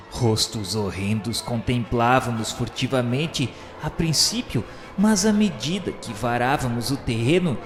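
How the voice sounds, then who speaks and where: A Brazilian man voicing an earnest, awed spirit disciple who narrates a radio drama in solemn, measured, literary phrases. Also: mid-range voice, natural voice. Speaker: narrator and protagonist. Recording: echoey hall reverb under prominent music.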